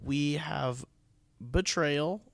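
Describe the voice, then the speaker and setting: A man's voice: a little high, very slow, gravelly, fairly bright tone, dry recording. A man hosting a podcast in a casual, chatty style. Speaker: podcast host. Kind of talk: casual chat.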